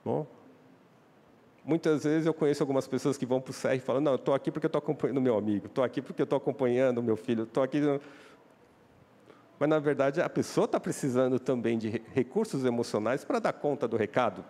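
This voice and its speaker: A man's voice: medium pitch, fast talker, darkish tone. A Brazilian man preaching a sermon, often asking the congregation questions and acting out quoted voices. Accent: Brazilian Portuguese. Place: church hall. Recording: church hall reverb.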